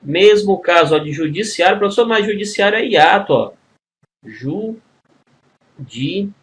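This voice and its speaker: A man's voice: high voice, fairly quick. A man with a Brazilian Portuguese accent teaching a grammar lesson for exam preparation, walking through questions step by step and checking with the students as he goes. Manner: explains step by step, with constant tag questions; addresses students as a group. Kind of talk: recorded exam-prep video lesson.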